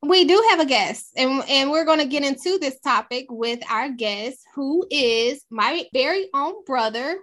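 A woman co-hosting a casual podcast, her voice sitting a little higher than most. She is playful and jumps into the talk often. She slips easily into vernacular phrasing. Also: lively intonation, a little slow, few pauses, fairly bright tone. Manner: playful, interjecting, drops into vernacular. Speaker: podcast co-host.

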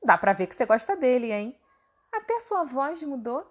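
Lady doing a sly old monkey guy, calm and teasing, storybook voice. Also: sits high, moderate pace. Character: old teasing male monkey lying on the path.

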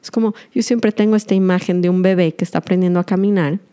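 A woman's voice: on the low side, fairly even intonation, fast, mellow, smooth. A woman podcast host, earnest and confessional, speaking directly to her listeners in a reflective monologue.

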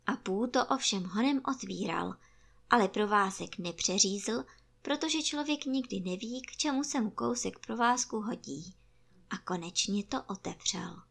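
A woman reads a children's book aloud in a calm, gentle storytelling voice. Her middling pitch has a gravelly, creaky texture.

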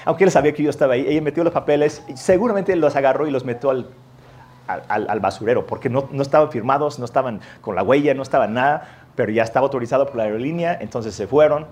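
A man telling a lively, self-mocking anecdote as part of a sermon, jumping into the voices of the people in the story. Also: mid-range voice, quick pace. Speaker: preacher.

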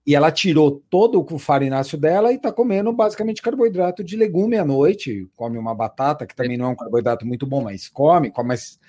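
A man in easy, casual conversation, with a somewhat raised pitch. His voice is husky and mellow. He chats loosely and often repeats words for emphasis. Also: expressive, a little fast, few pauses. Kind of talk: casual chat.

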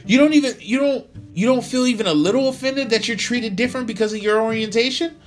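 Man doing a shrill, ranting young gay man. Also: expressive, unhurried, fairly bright tone. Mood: shouting.

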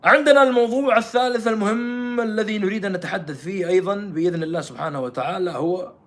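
A man's voice: high-pitched, fast talker. A man giving scornful, rhetorical political commentary. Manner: scornful, rhetorical, jumps between loud and quiet.

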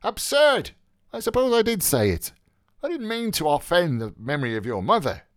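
Guy putting on a cocky young med student, high and swooping, bone dry mic. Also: huge pitch swings, no echo. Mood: scornful. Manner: flippant, quick, mocking. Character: brash mocking young male medical student.

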